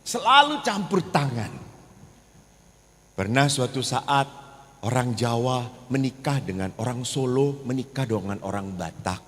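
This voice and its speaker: A man's voice: mid-range voice, very animated, a little slow, fairly bright tone. A man, a Catholic priest, giving a humorous seminar talk on marriage and acting out the people in his stories. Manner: joking storyteller who acts out voices. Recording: reverberant hall, faint noise.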